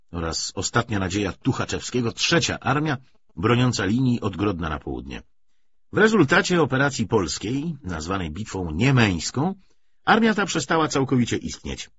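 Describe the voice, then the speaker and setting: A man's voice: lo-fi sound, a little hiss or hum. A man reading a historical novel aloud as an audiobook narrator, with dramatic expression. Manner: expressive, dramatic reading with wide pitch swings.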